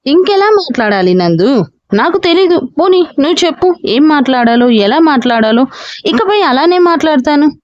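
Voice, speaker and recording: A woman's voice: high voice, expressive, moderate pace, dry recording, lo-fi sound. A woman voicing an angry middle-aged mother who scolds her son in a raised, emotional voice.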